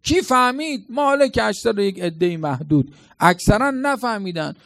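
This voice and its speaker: Male preacher, colloquial sermon, dramatic storyteller, gravelly tone, dry close sound. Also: high voice, lively intonation, a bit bright, no echo. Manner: dramatic, quizzes the congregation.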